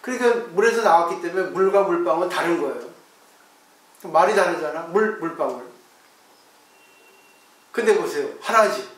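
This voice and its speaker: A Buddhist monk gives a conversational dharma talk on a Zen text, posing rhetorical questions to his listeners and acting out his own replies to disciples. His fairly high, bright voice is expressive, at normal speed with frequent pauses, and it comes from off the mic in a very echoey room.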